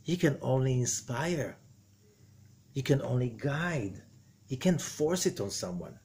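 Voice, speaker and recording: An older rabbi teaches in a husky, breathy voice, swinging between soft and emphatic lines as he acts out quotes. He sits indoors in a wood-panelled room, recorded by a camera across the table. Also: mid-range voice, unhurried. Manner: expressive, gestures broadly, quotes figures dramatically. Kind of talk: animated spoken lesson.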